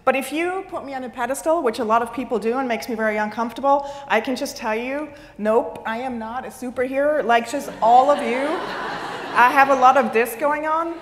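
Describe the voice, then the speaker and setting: A fairly high-voiced woman, speaking from a conference stage. Her talk is lively and self-deprecating, and her voice rings out in a large hall with a long reverb. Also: a little fast, slight background noise. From Switzerland. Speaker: keynote speaker.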